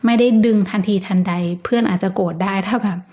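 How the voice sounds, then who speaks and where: Gentle chatty woman, slightly dull audio. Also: medium pitch, steady tone, fast. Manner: chatty, gentle, reassuring, with many fillers. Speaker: tarot reader. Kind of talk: casual tarot reading monologue.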